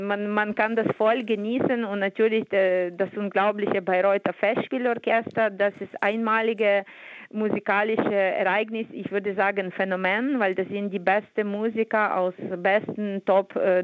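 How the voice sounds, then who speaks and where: A woman's voice: mid-range voice, no echo. A woman in her forties from Ukraine, a conductor speaking in a non-native language with a Ukrainian accent, answering hesitantly with many fillers and restarts as a guest in a phone interview. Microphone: telephone. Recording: tinny phone line, dry.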